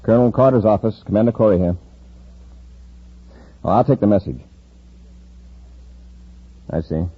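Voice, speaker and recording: A man playing a calm, authoritative space patrol commander in an old radio drama. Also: lowish voice, normal speed, long pauses, slightly rough. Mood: steady. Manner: steady, authoritative. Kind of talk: 1950s radio drama acting. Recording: dull lo-fi old radio recording.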